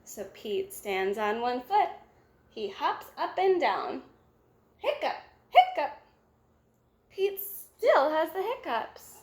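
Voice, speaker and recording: A woman reading a picture book aloud to children in an expressive, sing-song manner. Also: high voice, takes it slowly, pauses often. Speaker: storybook reader.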